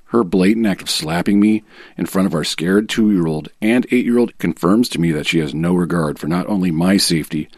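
A man voicing an aggrieved husband in a dramatic reading of a sworn legal statement, measured, formal and self-righteous. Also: low-pitched, darkish tone, no echo, clean studio sound.

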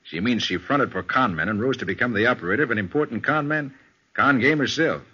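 Shrewd American detective: unflappable, animated intonation, bright forceful edge, dull 1940s radio recording. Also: male voice, mid-range voice, slightly rough. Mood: probing, assured. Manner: brisk, probing questioner. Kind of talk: 1940s radio crime drama acting.

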